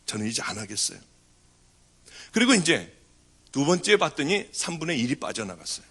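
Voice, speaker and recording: A middle-aged man, a pastor, giving an animated testimony in a sermon. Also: fairly high pitch, moderate pace, husky. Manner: animated storytelling, voice rising and falling.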